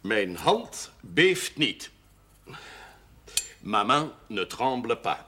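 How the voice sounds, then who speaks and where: An actor playing a witty, courteous and slightly frivolous Catholic curate in a television drama, with flowery phrasing. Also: male voice, on the low side, very animated, very slow, background noise, full character voice. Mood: wry, theatrical. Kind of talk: 1970s television drama acting.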